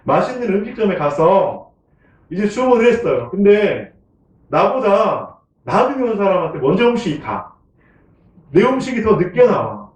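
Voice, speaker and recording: A man preaches in a church, his voice bouncing around a reverberant room and picked up from a distance. His pitch swings widely as he asks the congregation one question after another. He chuckles often. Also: very animated, normal speed. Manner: conversational, keeps asking the congregation questions. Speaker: pastor. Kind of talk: sermon. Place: church sanctuary. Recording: echoey room, from a distant mic, dull sound.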